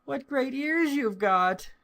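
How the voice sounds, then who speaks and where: A sweet, innocent little girl with a high, sing-song voice that rises and falls in a lively way, as a male storyteller puts her on. She sounds trusting and wide-eyed, like a child in an old storybook. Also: slow, vocal fry, full character voice. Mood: wondering. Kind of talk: storybook reading.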